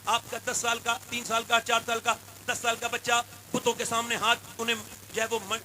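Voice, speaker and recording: A man preaching, swinging between fervent shouting and hushed storytelling. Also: very high-pitched, completely flat delivery, moderate pace, slight background noise, low-quality recording. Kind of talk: impassioned religious speech.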